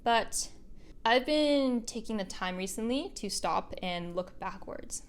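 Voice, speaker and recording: A woman's voice: fairly high pitch, lively intonation, slow pace, smooth. Earnest, upbeat young woman vlogger. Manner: earnest and upbeat, often laughing softly. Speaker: video creator. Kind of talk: reflective motivational vlog monologue.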